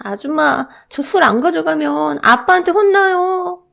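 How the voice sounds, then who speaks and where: A woman doing a high pleading little boy. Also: unhurried, vocal fry, a bit bright, full character voice. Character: young boy, timid and pleading.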